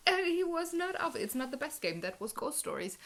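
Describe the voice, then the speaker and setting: A woman's voice: high voice, fairly quick. Chatty young woman on a couch. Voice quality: loud voice. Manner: chatty, animated, laughs often. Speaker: co-host. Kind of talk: casual board game chat. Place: living room couch, indoors.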